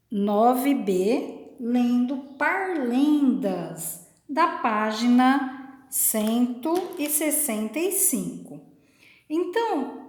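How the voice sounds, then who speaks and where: A woman teacher from Brazil, slowly and patiently explaining a lesson to children step by step. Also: a little high, echoey room. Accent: Brazilian Portuguese.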